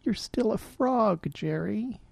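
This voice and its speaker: A weary trans woman, tearful and self-mocking, as a male reader puts her on in a raised voice. The tone stays husky and gravelly, close and dry. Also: very animated, measured pace, warm tone, no room sound, full character voice. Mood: miserable. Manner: raised pitch, tearful, wry.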